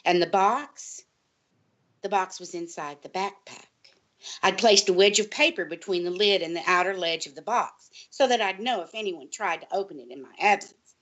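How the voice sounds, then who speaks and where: An actress playing a distraught, paranoid college librarian in an audio drama, earnest and insistent, halting and pleading in her delivery. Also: fairly low pitch, fairly bright tone, muffled recording, natural voice. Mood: anxious, wounded. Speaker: guest on a college radio show.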